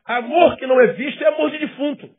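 A Brazilian Portuguese-accented man, a pastor, preaching a sermon with passion, swinging from loud emphasis to hushed tones. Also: extremely high pitch, fast talker. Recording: tinny phone-like sound.

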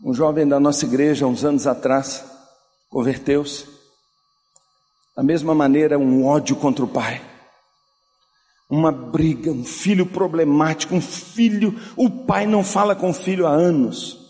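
A male pastor preaching a sermon, swinging from loud, slow declarations down to soft, hushed passages. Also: a little high. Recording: long hall reverb.

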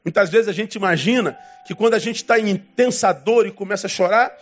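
High-voiced pastor preaching emphatically. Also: male voice, muffled recording. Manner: emphatic preaching with dramatic pitch swings and pauses. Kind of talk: sermon.

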